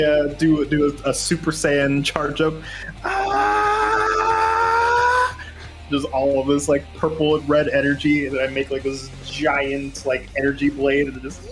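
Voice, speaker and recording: A man playing a tabletop game, excitable and laughing, with lots of fillers. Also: a little high, a little slow, faint music behind. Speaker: player. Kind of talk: casual tabletop play.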